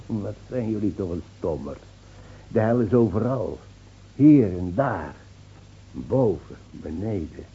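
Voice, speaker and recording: A man's voice: lowish voice, expressive, takes it slowly, warm tone, breathy edge, exaggerated voice. A man acting a bitter, mocking villager in a theatrical radio drama, sardonic and swelling with emphasis. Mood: bitter mockery. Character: bitter, mocking villager taunting others about hell and rain. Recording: muffled, noisy old radio play recording.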